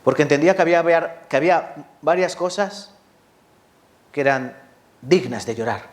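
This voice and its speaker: Guy preaching a sermon, kinda high voice, keeps asking the church questions and talking right at them. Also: normal speed. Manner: rhetorical questions, lively rises and drops; addresses congregation directly. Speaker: pastor.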